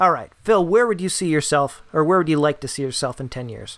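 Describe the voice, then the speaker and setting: A man's normal speaking voice, fairly high in pitch, with lively intonation and a fairly quick pace. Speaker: podcast host interviewer. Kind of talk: casual comedic interview.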